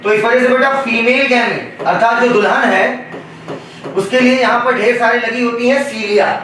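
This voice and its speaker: High-voiced man teaching in an echoey classroom. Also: normal speed, sharp tone, distant mic, a little hiss or hum. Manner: calls students beta, asks questions for the class to answer. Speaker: biology teacher. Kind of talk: classroom lecture.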